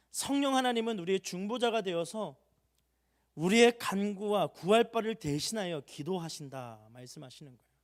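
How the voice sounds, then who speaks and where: A young adult male pastor preaching an emotional sermon in a church hall, swinging from loud rising appeals to hushed low tones.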